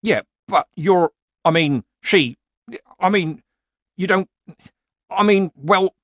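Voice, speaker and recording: A man's voice: high-pitched, a bit bright, no echo, studio quality, voice pushed up, full character voice. A man voicing a nervous, complaining male villager who stumbles over his words. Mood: flustered. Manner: anxious, flustered, halting.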